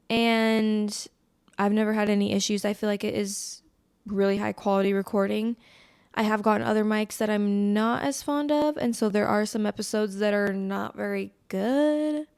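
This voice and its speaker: A woman's voice: medium pitch, gravelly, a little mellow, clean tone. An American woman hosting a solo podcast in a casual, chatty way, with a scratchy, slightly congested voice on a close microphone. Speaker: podcast host.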